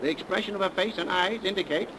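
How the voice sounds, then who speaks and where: A man playing a sure, clinical coroner who speaks in a measured way, in 1930s radio drama style. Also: sits high, close to an everyday voice. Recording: scratchy 1930s radio recording.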